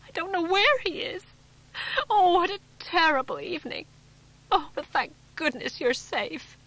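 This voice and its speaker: A woman's voice: expressive, a little slow, bright, forceful tone, heavily acted, poor audio. Woman doing a frantic tearful farmer's wife. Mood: distraught. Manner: high, wailing, breathless.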